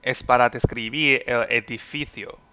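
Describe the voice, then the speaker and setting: A man whose first language is Chinese teaches a podcast language lesson, explaining words patiently and saying example sentences slowly and carefully. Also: medium pitch, fairly even intonation, sharp tone, clean tone.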